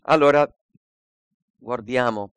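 A man preaching a sermon and reading scripture aloud, earnest, moving between quiet reflection and emphatic points. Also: mid-range voice, takes it slowly, smooth, no room sound.

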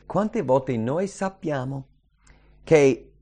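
A man's voice: mid-range voice, lively intonation, drawn-out words, dark tone. A man preaching a sermon, reading scripture aloud and repeating key phrases with earnest emphasis.

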